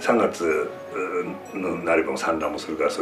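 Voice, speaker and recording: A man's voice over clear music in the background. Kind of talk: interview answer. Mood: nostalgic, laughing often. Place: home room.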